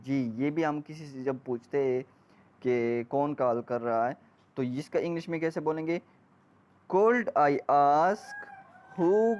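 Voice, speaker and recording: A man with a South Asian accent teaching English phrases one by one, drawing out each example sentence with careful enunciation. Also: fairly high pitch. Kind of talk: bilingual phrase-by-phrase language lesson. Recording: dull, lo-fi microphone sound.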